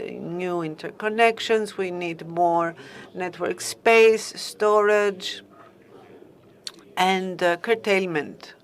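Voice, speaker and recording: A woman speaks on a conference panel at an unhurried, deliberate pace. Her delivery is halting and measured, with frequent pauses while she searches for the right word. Her pitch sits in a middle range for a woman. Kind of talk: formal conference remarks.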